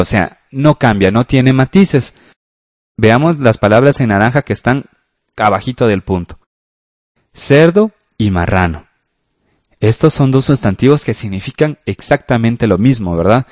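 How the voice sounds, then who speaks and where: A man, teaching a radio school language lesson in a patient, slow way and often checking in with listeners. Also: medium pitch, a little mellow, dry recording, studio quality.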